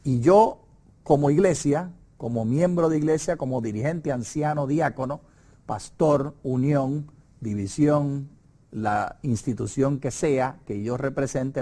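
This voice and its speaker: A middle-aged man with a Puerto Rican Spanish accent leads a Bible study in a conversational but preacherly way. His voice sits a little on the high side, and he pushes up hard on key points. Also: a little mellow. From Puerto Rico. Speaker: Bible lesson presenter.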